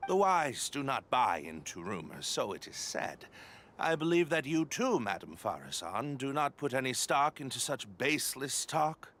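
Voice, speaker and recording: A man voicing a polite, flattering yet dismissive expedition leader in a video game, speaking formally. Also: mid-range voice, a little hiss or hum. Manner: courteous, formal, measured politeness. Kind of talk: English video game voice acting.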